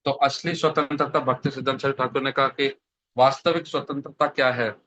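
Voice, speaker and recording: A man delivers a devotional sermon in a storytelling way and often puts questions to his listeners. His voice sits at an ordinary middle pitch. It comes through a dry, slightly dull online call with no room sound. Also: steady tone, fairly quick, sharp tone, no room sound. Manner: storytelling, asks the audience questions. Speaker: scripture speaker. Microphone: online video call.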